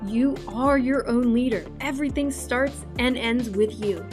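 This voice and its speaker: Lady announcer doing a show intro, kinda high, music under her. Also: unhurried. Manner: polished announcer delivery. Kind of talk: scripted promo intro. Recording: voice over music.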